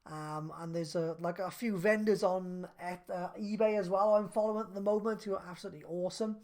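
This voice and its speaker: A man in his thirties on a live stream, reading out viewer questions and answering them in a relaxed, chatty way with lots of fillers. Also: sits high, fairly quick. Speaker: craft business live streamer.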